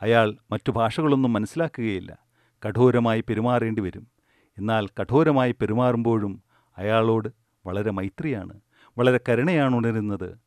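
A man who teaches meditation gives a spiritual discourse in a calm, measured and earnest way. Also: lowish voice, no room sound, clean studio sound.

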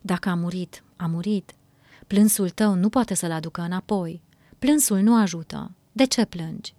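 A woman reading a calm wise male teacher. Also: lowish voice, no room sound, lightly acted. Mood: patient.

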